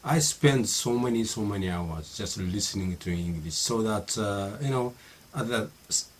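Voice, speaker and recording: A middle-aged Japanese man speaking English as a second language in a casual monologue. His speech is halting, full of fillers and restarts. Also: lowish voice, expressive. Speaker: vlogger practicing English.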